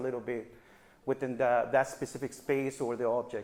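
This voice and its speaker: With a Mexican accent, a man speaks at a fairly quick pace. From Mexico, grew up near Laredo border. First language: Spanish. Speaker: visual artist, printmaker. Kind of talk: artist talk to audience. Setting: exhibition with live audience. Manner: casual, filler-heavy, addresses audience as guys.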